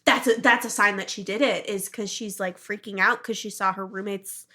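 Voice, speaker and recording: A woman's voice: medium pitch, fairly even intonation, normal speed, bright, forceful tone. A woman co-hosting a podcast, chatting casually and jokily as she retells a story. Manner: informal and jokey, often laughing. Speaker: podcast co-host. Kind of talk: casual chat, retelling a true-crime case.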